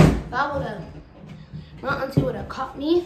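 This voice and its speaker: There is loud background noise. Over it, a woman speaks at a moderate pace. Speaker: vlogger. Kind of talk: casual vlog chat. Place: home room. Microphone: phone near.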